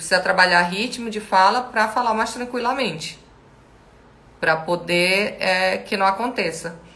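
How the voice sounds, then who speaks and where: Audible room echo surrounds a bright, sharp voice that moves at a fairly slow pace with ordinary pitch variation. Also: woman, medium pitch for a woman. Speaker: speech therapist. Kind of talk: live stream Q&A. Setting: live stream.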